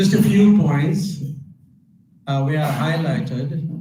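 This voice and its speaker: A man at a moderate pace with ordinary pitch variation, audible room echo, and noticeable background noise. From South Africa. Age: 60s. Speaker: Hare Krishna preacher. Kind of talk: religious talk. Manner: hesitant.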